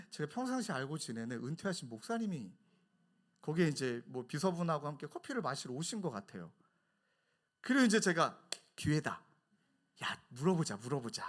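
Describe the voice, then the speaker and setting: Male pastor, thirties, lively storytelling sermon, slightly high voice, acts out quoted friends.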